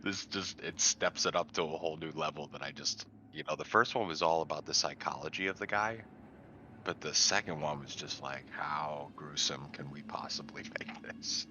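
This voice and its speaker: An extremely deep-voiced man talks casually as a tabletop game player. His audio is dull and lo-fi, with clear noise behind it. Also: fairly quick, pushed and bright. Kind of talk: casual conversational chat.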